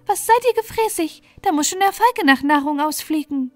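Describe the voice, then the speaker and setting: A woman voicing a small, scolding female ant in a bedtime storybook, high and reproachful. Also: expressive, normal speed, faint music behind.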